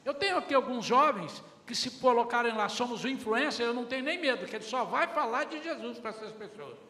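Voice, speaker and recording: A man's voice: very high voice, expressive, fast talker, sharp tone. A middle-aged man preaching a sermon as pastor, addressing the congregation and acting out little family dialogues. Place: church hall. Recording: echoey hall with faint room noise.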